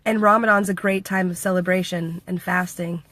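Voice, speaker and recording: A woman's voice: fairly low pitch, fairly even intonation, normal speed, fairly bright tone, no room sound. A woman from the United States chatting playfully in a casual vlog, laughing often and acting out what others said. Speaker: vlogger. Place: Washington State.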